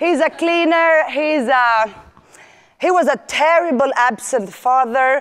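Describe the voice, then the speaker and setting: Animated and high-pitched, a woman with a Greek accent speaks with lively intonation. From Sweden, Rinkeby suburb of Stockholm, Greek family. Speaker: journalist and author, conference speaker. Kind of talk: conference keynote speech. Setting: stage with audience. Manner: animated, expressive.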